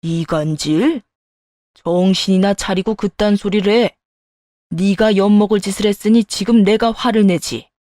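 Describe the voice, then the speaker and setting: A blunt, furious older father-in-law, played by a woman, barking harsh commands in a spoken family story. The voice sits at a middling pitch and is recorded dry and close. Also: a little slow, mellow, no echo, close to an everyday voice. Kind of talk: storytelling dialogue.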